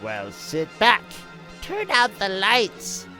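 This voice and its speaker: Campy woman horror host, swooping pitch. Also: wildly swooping pitch, slow pace, sharp tone. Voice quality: theatrical, swooping delivery. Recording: music bed behind.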